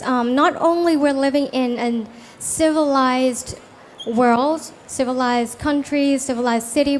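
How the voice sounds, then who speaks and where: A woman's voice: high-pitched, slight background noise. A woman moderating a discussion panel, agreeing emphatically and introducing the next question.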